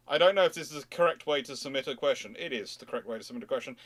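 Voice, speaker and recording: A man hosting an unscripted livestream question-and-answer talk, thinking aloud haltingly and correcting himself as he goes. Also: medium pitch, a bit bright, no room sound. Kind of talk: unscripted naval history Q&A talk.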